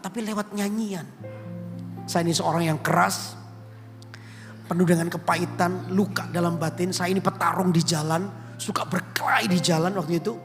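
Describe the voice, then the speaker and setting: Middle-aged pastor, raised gravelly voice, animated testimony, long hall reverb with faint music. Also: male voice, a little high. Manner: animated storytelling, drops into Javanese phrases. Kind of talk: sermon with personal testimony. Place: large church auditorium.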